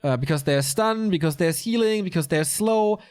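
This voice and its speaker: Lively solo esports caster, man. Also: high voice, normal speed. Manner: lively, chatty, answers viewer chat mid-commentary. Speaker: esports commentator. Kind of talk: solo live game commentary.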